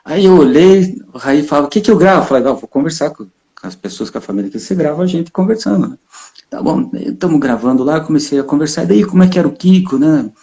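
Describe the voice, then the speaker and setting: Mellow-voiced reporter storyteller. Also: male voice, on the high side, quick pace. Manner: lively, chuckles often, acts out other people's voices. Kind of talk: storytelling anecdote in an interview.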